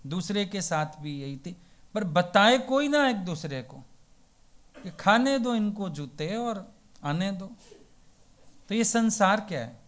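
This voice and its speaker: A man's voice: high voice, lively intonation, slow pace, pauses often, fairly bright tone. A man giving a devotional sermon as a spiritual teacher. He tells folksy parables and keeps asking rhetorical questions. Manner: folksy and plain-spoken.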